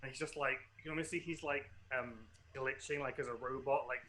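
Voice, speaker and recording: A man's voice: medium pitch, fairly even intonation, brisk, sharp tone. A man running a tabletop game as dungeon master, casual, with a lot of filler words.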